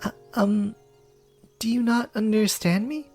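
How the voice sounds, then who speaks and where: In a dramatic reading of a story game, a woman voices an earnest, polite young foreign woman who is chatty, gets flustered easily, stammers, and turns indignant when teased. Her voice sits on the high side, with fairly even intonation, a slightly slow pace, and a dark tone over soft background music.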